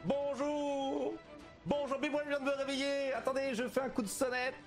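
A man putting on a high, singsong voice as a playful male nation ruler during a strategy game stream. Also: flat delivery, moderate pace, over loud music.

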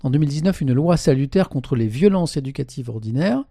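Mellow-voiced man commenting on a stream. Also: medium pitch, expressive, a little fast, gravelly, no echo, studio quality. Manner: conversational, tags sentences with "hein"; reads article passages aloud, then comments. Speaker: live streamer. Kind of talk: casual live-stream commentary reading press and chat.

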